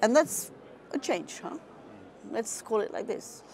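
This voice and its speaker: Light background noise runs behind a woman whose fairly high voice has lively intonation. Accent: French. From France. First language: French. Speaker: politician. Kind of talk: panel discussion. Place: hall. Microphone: lapel.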